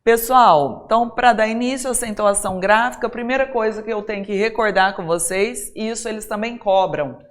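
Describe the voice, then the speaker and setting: A middle-aged Brazilian woman teaching an exam-prep language lesson, chatty, talking straight to her students and checking in with them often. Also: medium pitch. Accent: Brazilian Portuguese. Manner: chatty, addresses students directly with frequent tag questions.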